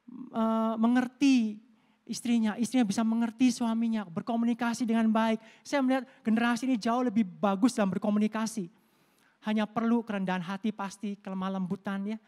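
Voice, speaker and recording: A middle-aged man preaching a Sunday sermon at a church service. He talks in a conversational, storytelling way, addresses the congregation directly and slips English words into his speech. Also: sits high. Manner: conversational preaching, addresses listeners as "saudara", tells personal stories. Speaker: pastor.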